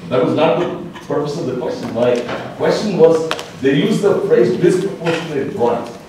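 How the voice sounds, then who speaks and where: A man's voice: fairly high pitch, animated, moderate pace, dark tone, slight background noise. Man clarifying his question, firm, distant room mic, heavy echo. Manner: insistent, correcting himself. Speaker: audience member. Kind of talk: clarifying a question at a panel discussion. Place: conference room.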